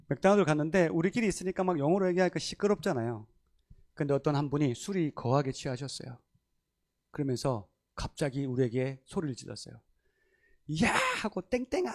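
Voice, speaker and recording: A slightly high-voiced male preacher moves at a brisk clip through a sermon built around stories, set in a church sanctuary. He imitates the voices of those he quotes, stays animated, and laughs frequently.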